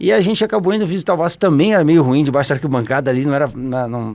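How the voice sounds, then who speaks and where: Very fast speech from a man, fairly high in pitch and full of very wide pitch swings. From southern Brazil, Porto Alegre. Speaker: former footballer. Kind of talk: casual interview. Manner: halting, many repetitions.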